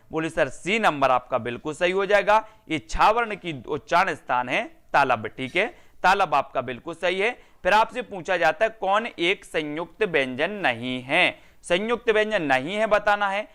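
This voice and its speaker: A man's voice: sits high, sharp tone, clear, resonant tone. A man teaching an online exam-prep Hindi grammar class, calling out students by name and answering his own questions. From India.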